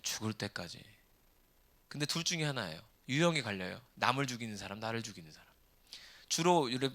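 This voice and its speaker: A man in his thirties preaching a sermon, asking the congregation rhetorical questions in an animated way. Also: medium pitch. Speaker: pastor.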